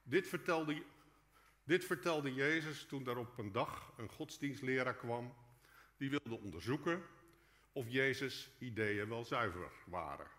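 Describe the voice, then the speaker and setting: A man preaches a reflective sermon, turning to the congregation as he goes. His voice is bright and forward, and a long cathedral-like echo rolls behind every phrase in the church. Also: mid-range voice, animated, measured pace. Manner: reflective, addresses the congregation directly. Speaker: lay preacher. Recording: long echoing church reverb.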